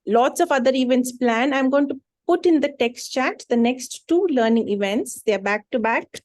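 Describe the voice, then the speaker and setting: A woman with an Indian English accent hosting an online meeting, brisk and friendly as she moves the session along. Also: sits high, darkish tone, no echo, studio quality. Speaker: meeting host. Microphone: video call.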